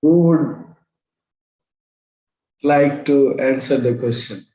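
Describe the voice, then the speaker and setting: Man, spiritual teacher, storytelling, unhurried, soft warm tone, roomy video-call sound. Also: medium pitch. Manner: slow, pausing, asks listeners questions. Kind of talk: storytelling to an online group. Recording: roomy echo.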